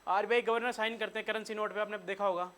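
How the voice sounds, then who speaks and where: Bright-voiced Hindi-accented male teacher. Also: high voice, fairly even intonation, quick pace. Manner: quizzes students and has them take notes. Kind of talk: classroom lecture.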